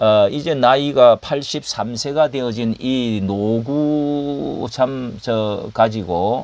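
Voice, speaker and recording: This is a man speaking at a medium pitch. His pitch varies an ordinary amount. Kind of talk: casual political commentary.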